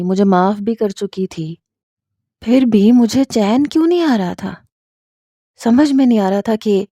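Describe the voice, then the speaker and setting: A woman narrating a first-person audio story in a calm, even storytelling manner. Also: mid-range voice, dry recording, studio quality.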